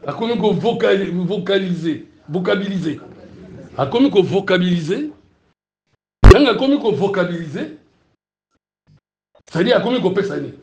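A man with a Congolese French accent preaching a sermon, teaching in lively bursts and often asking his congregation whether it is clear. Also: high voice, moderate pace, long pauses, muffled recording. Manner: animated, asks the room if it is clear, laughs between points. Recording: roomy, echoey hall.

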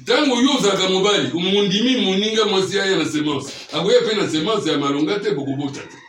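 A man's voice: high voice, quick pace, fairly bright tone. A man preaching a teaching sermon, often checking that his listeners follow him with questions. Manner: keeps quizzing listeners with questions. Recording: echoey room, mic far off.

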